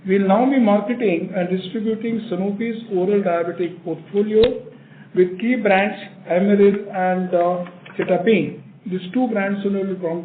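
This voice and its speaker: An older man with an Indian accent, a chief executive giving prepared remarks in an emphatic way, repeating phrases for stress. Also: high-pitched. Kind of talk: prepared earnings call remarks. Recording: echoey narrow phone line, faint noise.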